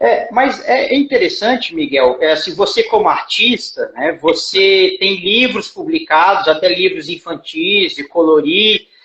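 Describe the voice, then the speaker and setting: Noticeable background noise is present. The words come at a fairly slow pace. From Brazil. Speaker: interviewer. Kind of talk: interview.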